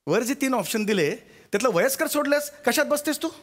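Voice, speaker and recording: A man's voice: extremely high pitch, expressive, fast, loud music behind the voice. An actor playing a bossy, sarcastic middle-aged father who scolds his wife and son in a stage comedy sketch. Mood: flustered. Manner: mocking, scolding, theatrical.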